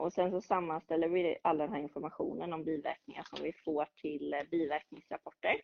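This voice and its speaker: The speaker keeps a flat monotone at a moderate pace, with hardly any pauses. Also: woman, very deep, low pitch for a woman. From Sweden, Jönköping. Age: 20s. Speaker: pharmacist, drug safety specialist. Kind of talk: podcast interview. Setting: phone call.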